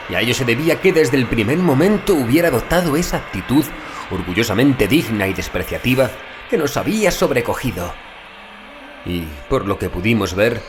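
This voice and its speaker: A male narrator delivers a horror audiobook with dramatic gravity. His phrasing is deliberate and literary, and his pitch rises and falls widely around a medium register. Music plays clearly behind his voice. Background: background music.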